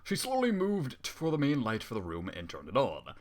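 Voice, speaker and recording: Guy reading a story out loud, super animated pitch, sarcastic and fed up, swears a lot in his side comments. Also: fairly quick. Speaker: fan fiction reader. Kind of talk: reading a story aloud with exasperated running commentary.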